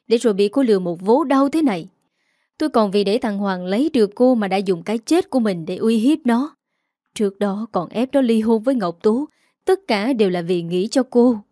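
A woman's voice: a little high, no room sound, studio quality, lightly acted. A woman voicing a harsh, furious mother-in-law who gives orders, in an audio story. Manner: shouting, commanding.

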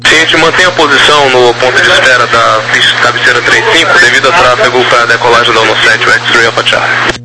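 A man with a Brazilian accent issuing procedural clearances as a tower controller over aviation radio. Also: medium pitch, steady tone, fast talker, noisy background. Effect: aviation radio transmission. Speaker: air traffic tower controller. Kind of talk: procedural air traffic radio instructions.

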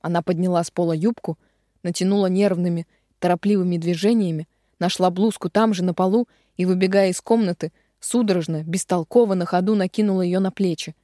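A woman narrating a romance audiobook dramatically, slowing on the heavy phrases. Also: lowish voice, fairly even intonation, dark tone, no room sound, studio quality.

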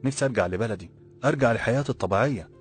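A man voicing a young man with an Egyptian accent who is stranded in a strange city, talking in quick, exasperated colloquial speech. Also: medium pitch, faint music behind, voice pushed up, natural voice. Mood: bewildered. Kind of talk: audiobook character voice.

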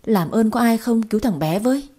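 A woman reads a devoted young mother in a sad audio story, pleading through tears. Her voice is warm and breathy, her talk imploring. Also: fairly high pitch, expressive, brisk, voice pushed up. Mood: desperate. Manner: pleading and tearful. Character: desperate, devoted young mother of a sick boy.

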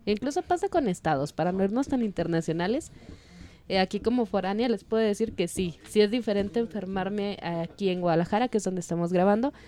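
Mexican woman, podcast therapist, mellow, chatty explainer. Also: medium pitch, fairly quick. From Durango, Mexico. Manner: conversational, acts out imagined dialogue. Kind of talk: casual explanatory chat. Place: studio in Guadalajara.

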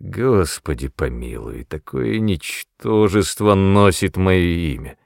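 A man's voice: on the high side, very animated, a little slow, dry recording, clean studio sound, voice pushed up. Man doing a sneering, bullying drunk father. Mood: muttering. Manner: mocking, menacing, loud.

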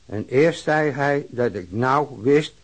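Radio drama: down-and-out middle-aged labourer, aggrieved, plain-spoken, very slow and halting delivery. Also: male voice, medium pitch, poor audio. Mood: aggrieved, plodding. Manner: halting, plain-spoken, simple repetitive phrasing. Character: aging down-and-out working-class drinker recounting police beating, aggrieved. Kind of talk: radio drama monologue, letter of complaint.

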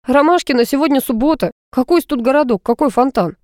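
A woman's voice: high voice, a little fast, darkish tone, no echo, studio quality, pitched above the performer's own voice, close to an everyday voice. A woman voicing a cocky, mocking young male student who teases and needles. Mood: smug. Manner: teasing, smug.

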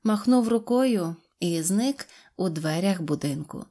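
A woman narrating a children's storybook in a clear, even reading voice. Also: on the low side, unhurried. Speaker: audiobook narrator.

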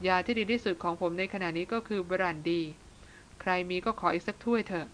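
A woman reading as a weary hunter leader, shaken and subdued. He speaks slowly, pausing often, in a voice pitched a little high. A faint hiss sits under the reading. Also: fairly bright tone. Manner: slow, halting, subdued.

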